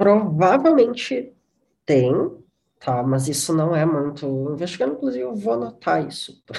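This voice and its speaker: Very wide pitch swings from a fairly high-voiced man speaking fairly slowly. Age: 30s. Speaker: psychologist and researcher. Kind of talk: interview.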